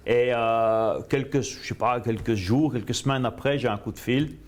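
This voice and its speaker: A man's voice: medium pitch, moderate pace. Man telling a story. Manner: animated, repeats himself, drops English phrases. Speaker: guest coach. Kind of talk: storytelling interview.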